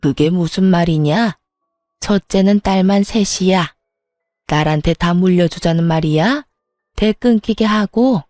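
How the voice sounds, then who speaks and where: A woman's voice: fairly low pitch, a little slow, a little mellow, no room sound, faint music behind, close to an everyday voice. A woman voicing a cold, domineering elderly mother-in-law who commands and scolds in a family drama story. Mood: scornful, scolding.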